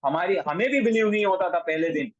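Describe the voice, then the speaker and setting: A man with a high voice delivers a motivational sales lesson. He hammers his points again and again, speaking directly to the listener. The recording is dry and a little dull. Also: animated, a little fast, no echo. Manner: forceful, repeats lines and addresses the listener directly. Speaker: sales trainer. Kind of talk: motivational training talk.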